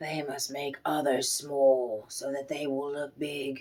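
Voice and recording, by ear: The put-on character voice sits at a low-to-middle pitch. Its delivery is fairly slow with monotone, flat intonation.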